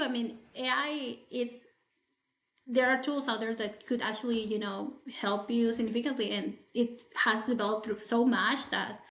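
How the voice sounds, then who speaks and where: A woman guest speaking in a casual podcast conversation, thoughtful and hedging with frequent fillers. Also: on the high side. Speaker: guest toxicologist. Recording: roomy echo.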